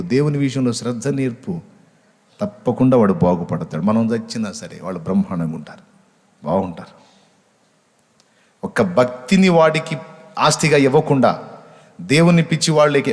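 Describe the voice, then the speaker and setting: Telugu pastor preaching in a reverberant hall. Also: male voice, mid-range voice. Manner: emphatic, repeats phrases for stress. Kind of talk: sermon. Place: church hall. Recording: long church reverb.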